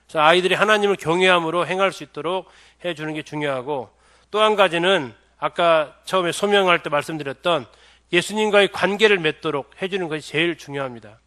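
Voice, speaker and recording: A man's voice: a little high, pushed and bright. A middle-aged male pastor giving a seminar on raising children, often putting questions to the audience. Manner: asks the audience many questions. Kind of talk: church seminar lecture.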